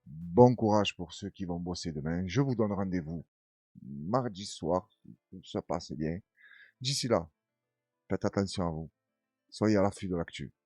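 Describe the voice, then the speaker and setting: A man hosting a casual news commentary, chatty and full of street slang. His voice is husky, the sound dry and close, with faint music underneath. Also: low-pitched, unhurried, pauses often, no echo. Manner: animated storyteller, voicing others in his tales. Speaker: host of a news commentary stream.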